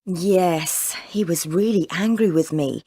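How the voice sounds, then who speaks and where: A woman's voice: lowish voice, takes it slowly, warm tone, slightly rough, dry recording. A woman playing a self-assured woman in a scripted exam dialogue, describing a falling-out with a friend in a firm tone.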